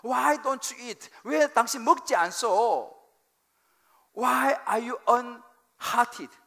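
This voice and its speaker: A male pastor voicing an exasperated husband who pleads with his wife, his speech loud and high with drawn-out questions. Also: lively intonation, vocal fry, full character voice. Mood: pleading. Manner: pleading, then irritated and insistent.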